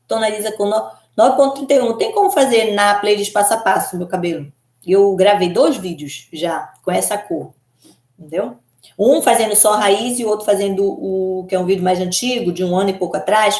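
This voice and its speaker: A woman's voice: mid-range voice, a little mellow, reverberant. A woman from Belém do Pará in Brazil, a hair coloring specialist chatting casually with viewers, giggling often and tagging her sentences with questions. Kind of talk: casual live chat answering viewers.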